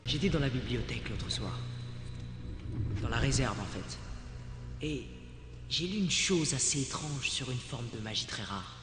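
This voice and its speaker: A man playing a polite, calculating teenage wizard pupil in a dubbed fantasy film, speaking in a courteous, measured, insinuating way. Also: mid-range voice, animated, lightly acted. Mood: probing, careful. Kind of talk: dramatic film dubbing. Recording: echoey hall, clear film music behind.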